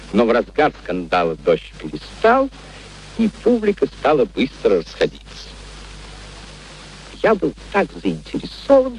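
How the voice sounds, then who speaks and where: In an old, rough radio play recording with faint noise, a genial gentleman narrates a story in a somewhat high voice. His intonation sweeps broadly and animatedly, and he tells the tale with amused, courteous curiosity and theatrical flair.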